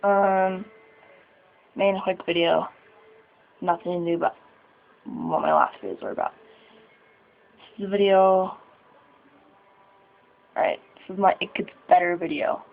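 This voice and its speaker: A 21-year-old trans man talks haltingly in a confessional vlog, his nerves showing in sighs and small laughs. His voice has a gravelly fry. The recording sounds thin and phone-like. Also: high-pitched. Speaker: vlogger.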